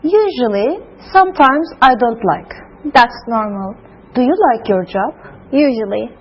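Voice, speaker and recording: A woman's voice: fairly high pitch, expressive, measured pace, slightly rough, highs cut off. A woman assisting in an English class, giving short, careful answers in scripted dialogues. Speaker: class assistant playing learner roles.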